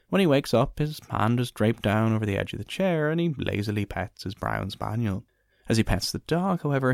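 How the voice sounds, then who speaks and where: A man hosting a podcast, reading scripted documentary narration in a measured storytelling way. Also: mid-range voice, gravelly, no room sound, studio quality.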